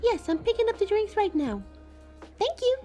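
Woman as very high-pitched, flustered young female thief. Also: big pitch swings, normal speed, loud music behind the voice. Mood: nervous. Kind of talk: scripted audio drama, one side of a phone call. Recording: clear background noise, coffee house ambience.

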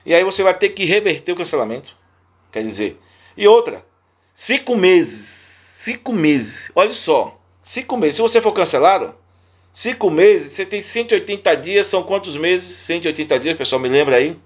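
A man's voice: sits high, big pitch swings, normal speed, breathy edge. Emphatic Brazilian man answering viewers. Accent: Brazilian Portuguese. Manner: indignant, emphatic, repeats points; reads viewer comments aloud. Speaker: channel host answering viewers. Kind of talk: casual talk to camera.

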